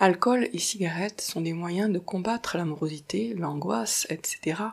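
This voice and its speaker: A woman speaks with lively intonation. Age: 40s. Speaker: voice actor. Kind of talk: audiobook narration.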